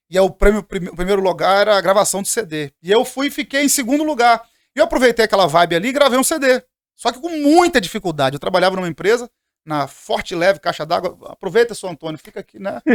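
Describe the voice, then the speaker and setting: An animated man's high voice at a very fast pace, very wide pitch swings and big swings in loudness, dry and close with no echo, on a very clean recording with a silent background. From Brazil, interior. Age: 30s. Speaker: pastor. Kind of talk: casual chat.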